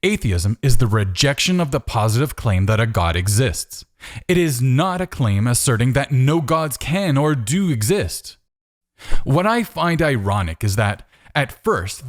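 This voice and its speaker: A male video host gives scripted commentary at a middling pitch. His intonation moves around a lot, rising and dropping as he poses pointed rhetorical questions. The delivery is sarcastic and argumentative.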